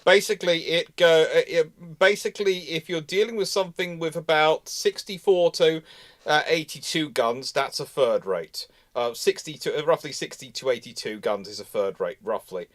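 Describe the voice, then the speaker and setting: Higher-voiced man explaining things emphatically. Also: normal speed. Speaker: host answering live audience questions. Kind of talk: casual expert discussion, explanatory.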